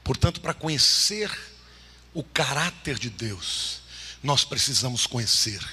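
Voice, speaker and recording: A man preaching a sermon, swinging between loud, high exclamations and low, hushed lines. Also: animated, a little slow, breathy edge, big-room sound.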